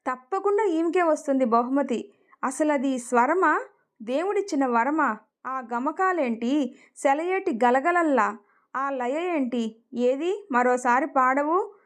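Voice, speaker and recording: A woman narrating an emotional story in an expressive, dramatic way, lingering on slow phrases. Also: high voice.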